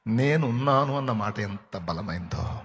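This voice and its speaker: A man's voice: fairly low pitch, animated, a little slow. A man preaching a sermon as pastor, repeating his points emphatically and addressing listeners as his children. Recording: long reverb of a large hall.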